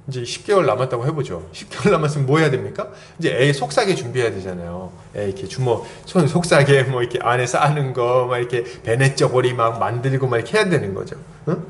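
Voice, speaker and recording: Male pastor in his thirties, high, animated preaching voice, storytelling style. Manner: lively storytelling with rhetorical questions. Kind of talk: sermon.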